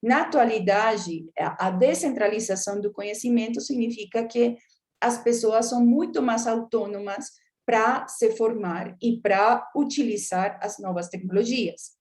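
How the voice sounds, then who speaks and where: A woman's voice: on the high side, a little slow, a little mellow. Hesitant woman lecturing, frequent fillers. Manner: hesitant, many filler sounds while searching for words. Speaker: academic lecturer. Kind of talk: academic lecture with slides.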